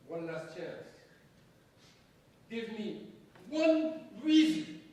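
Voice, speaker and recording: High-voiced menacing young fanatic played by a man, echoey. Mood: menacing, scornful. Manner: mock-polite, then bullying and threatening. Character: fanatical young male gunman menacing a professor. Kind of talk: dramatic staged reading. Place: theatre space at a staged reading. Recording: echoey hall, distant mic, faint noise.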